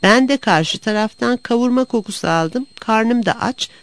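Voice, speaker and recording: A woman's voice: on the high side, normal speed, no echo, voice pushed up, close to an everyday voice. Woman doing a hungry, threatening black cat.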